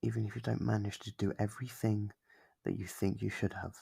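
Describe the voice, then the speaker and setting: Man playing a gravelly, soft-spoken kindly demon. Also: flat delivery, a little fast, full character voice. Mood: encouraging, tender. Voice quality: low, gravelly, husky. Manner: soft-spoken, hesitant, reassuring. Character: kindly, apologetic sleep paralysis demon, gentle and shy. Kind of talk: ASMR roleplay monologue, soft and close.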